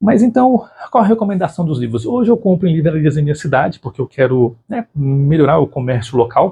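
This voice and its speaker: With a Brazilian accent, a man speaks in a dark, mellow tone. His somewhat breathy voice moves in very wide pitch swings. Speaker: book YouTuber. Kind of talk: casual Q&A monologue. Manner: fast.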